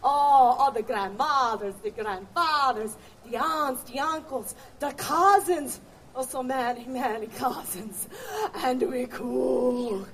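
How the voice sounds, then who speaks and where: A woman's voice: high voice, takes it slowly, slight background noise. An actress playing a kindly Italian Christmas gift-bringer woman, with an Italian accent and a lilting, theatrical way of talking to a live audience. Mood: warm, festive. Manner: lilting, theatrical, sprinkled with sighing "oh"s. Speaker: costumed holiday show performer.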